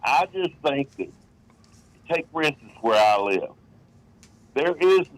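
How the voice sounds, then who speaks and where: A man with a Southern US accent calling in to a radio show, talking haltingly with many fillers and restarts. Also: a little high, big pitch swings, poor audio. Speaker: caller. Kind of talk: phone call to a radio show.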